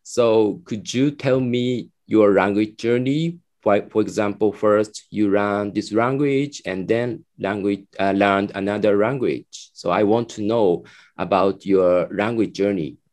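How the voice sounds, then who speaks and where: A man hosting an interview, asking questions in slow, simple phrasing and backchanneling often. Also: fairly low pitch, darkish tone. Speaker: interview host. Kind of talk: casual interview.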